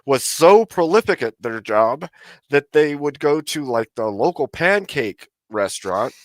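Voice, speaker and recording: A man's voice: medium pitch, lively intonation, measured pace, no room sound. A man hosting a live stream, chatting casually and telling a story in a dry, matter-of-fact way. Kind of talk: casual chat.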